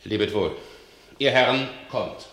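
Bright, forceful, proud nobleman. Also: medium pitch, a little slow, echoey room. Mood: curt. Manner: indignant, emphatic declamation. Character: proud, hot-tempered nobleman and warrior defying his king. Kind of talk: classical verse radio drama acting.

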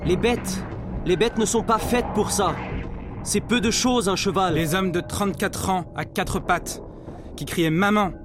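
Man playing a high-pitched, agitated war veteran. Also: normal speed, music in the background, close to an everyday voice. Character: agitated French male war veteran recalling horrors. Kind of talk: dramatic monologue in a radio play.

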